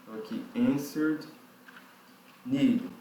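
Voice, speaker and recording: A man's voice: mid-range voice, slow pace, mellow. A man teaching an English grammar lesson. He explains patiently and often checks in with "ok?". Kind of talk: recorded online lesson. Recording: roomy recording with faint background noise.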